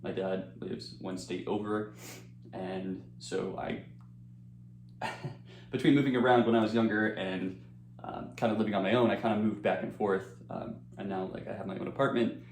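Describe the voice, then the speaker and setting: A young man with a fairly low voice chats loosely while eating, full of fillers and restarts, sometimes talking through a mouthful. He sits in an echoey room at home, with a faint hum underneath. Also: steady tone, normal speed, darkish tone. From United States. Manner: rambling, with frequent fillers and restarts. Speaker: eating-channel creator. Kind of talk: casual chat while eating.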